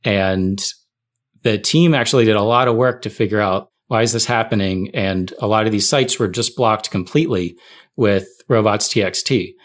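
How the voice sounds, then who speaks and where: A man chatting on a podcast as co-host. His voice is fairly low, and he explains things in an informal, conversational style. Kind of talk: casual explanatory chat.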